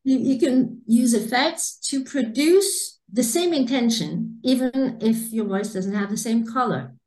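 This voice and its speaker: A woman's voice: on the high side, expressive, unhurried, darkish tone, poor audio. Woman with a light soprano voice. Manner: earnest, repeats words for emphasis. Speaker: guest, pronunciation teacher. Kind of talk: conversational podcast interview.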